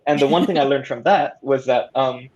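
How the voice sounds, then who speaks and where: A man's voice: medium pitch, fairly quick, darkish tone, lo-fi sound. A man talking casually as a panelist, hesitant and thoughtful as he searches for words. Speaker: panelist, audio drama creator.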